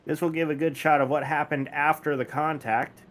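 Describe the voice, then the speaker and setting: Man calling a sim race, relaxed. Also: on the high side, normal speed. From northern United States. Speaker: race commentator. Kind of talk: casual play-by-play commentary.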